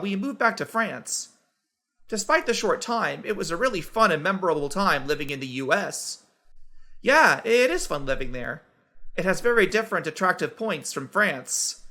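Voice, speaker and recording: A man reading scripted everyday conversations for English learners, in a clear, evenly paced textbook delivery. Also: high voice, very animated, moderate pace, pushed and bright. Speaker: dialogue voice for English practice.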